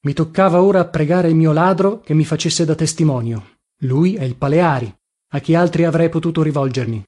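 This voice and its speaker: Uomo che narra un romanzo in prima persona. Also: male voice, a little high, brisk. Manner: expressive, dramatic reading. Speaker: audiobook narrator. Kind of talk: first-person literary narration.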